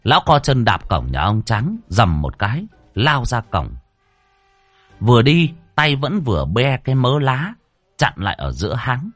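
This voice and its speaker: A man narrating a comic folk-style tale in a lively way. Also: medium pitch, measured pace, no room sound, soft background music. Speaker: storyteller.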